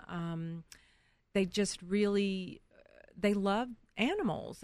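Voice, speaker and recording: Fairly even in intonation, a woman speaks in a plain, everyday voice at a medium pitch. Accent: American. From Houston, Texas (Greater East End). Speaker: nonprofit founder. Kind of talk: radio interview.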